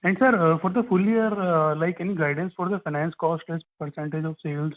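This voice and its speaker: A man's voice: a little high, fairly even intonation, fairly quick. A man with an Indian accent asking financial questions as an analyst on a call. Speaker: analyst caller. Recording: narrow telephone line.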